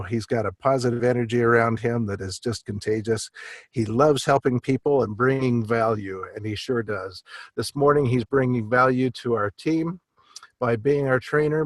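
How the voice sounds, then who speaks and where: A man hosting a team meeting, introducing the morning's trainer in warm, praising words. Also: mid-range voice, no echo. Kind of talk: formal introduction.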